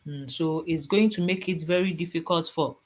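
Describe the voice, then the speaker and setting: A woman guest on a health panel, explaining fertility topics in a slow, careful way with frequent fillers. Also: fairly low pitch. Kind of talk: panel discussion.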